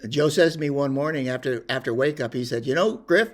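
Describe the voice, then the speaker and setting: An older man telling a personal story in a rambling, unhurried way with many pauses and fillers. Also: mid-range voice, fairly even intonation. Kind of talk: casual spoken reminiscence.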